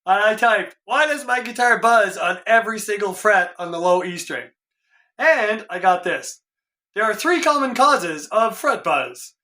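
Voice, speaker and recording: A middle-aged man with a hoarse voice, a guitar tech in a casual vlog, puzzled and exasperated as he thinks aloud in his home workshop. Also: sits high, lively intonation, a little slow, pushed and bright. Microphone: camera a few feet away.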